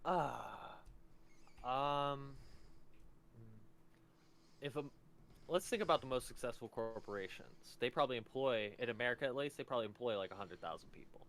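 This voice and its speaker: A man's voice: medium pitch, lively intonation, moderate pace, creaky, long pauses, fairly bright tone, a little hiss or hum. Laid-back young guy in casual chat. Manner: laid-back, profane, joking. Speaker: podcast co-host. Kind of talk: casual chat, reading quiz statements aloud.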